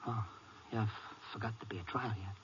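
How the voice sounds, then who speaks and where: A man's voice: fairly low pitch, fairly even intonation, fast, fairly bright tone, a little hiss or hum, natural voice. An actor playing a nervous, cowardly male prisoner in a 1950s radio western, stammering and pleading in a whining, wheedling way. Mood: fearful, wheedling. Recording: dull old radio recording.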